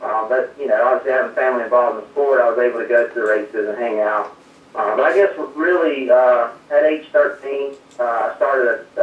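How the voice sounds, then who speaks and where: A man, a race crew chief answering interview questions modestly while calling in from home over a phone line that breaks up. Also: mid-range voice. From South Carolina, USA. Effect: calling in remotely over a phone line that breaks up and fades. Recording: dull, distant, echoey call-in line.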